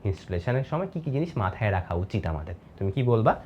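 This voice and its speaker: Fast, lively young male tutor. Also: lowish voice, dull audio, slight background noise. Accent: Bangladeshi Bengali. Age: 20s. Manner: chatty, repeats key words, mixes in English. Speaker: teacher. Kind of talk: exam-prep lesson with screen demo.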